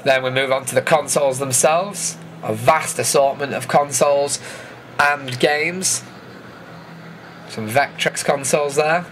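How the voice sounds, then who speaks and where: A man's voice: medium pitch, fairly even intonation, unhurried, a bit bright, slight background noise. A man giving a casual, dryly jokey voice-over commentary as the host of an event video.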